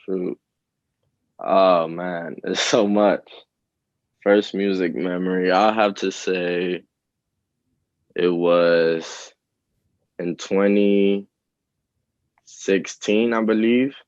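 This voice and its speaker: Very deep-voiced young man, relaxed. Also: extremely slow, long pauses, no room sound. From Dominican Republic. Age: 20s. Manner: relaxed, hesitant, many fillers and restarts. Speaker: rapper, interview guest. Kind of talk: casual interview answers. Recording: dull, lo-fi, dry sound.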